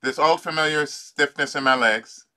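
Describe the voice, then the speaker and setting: An older man leading a tapping exercise over a video call, playful and laughing, often pausing with fillers. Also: a little high, bright, forceful tone. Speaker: life coach. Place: home room.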